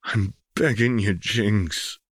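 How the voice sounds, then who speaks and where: A man's voice: on the low side, slow, no room sound, studio quality. A man voicing a tough, desperate young woman fighter, a protective older sister, blunt and strained in an audiobook. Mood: pleading. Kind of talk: audiobook character voice.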